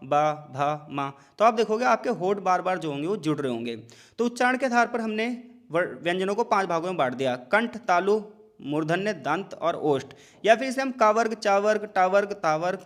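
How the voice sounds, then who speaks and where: Man, high voice, exam-prep tutor, patient explanations, sounds out examples aloud. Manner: mixes English terms into his explanations.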